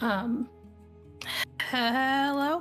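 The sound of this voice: A shaky, put-on character voice plays over clearly audible background music. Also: female-sounding voice.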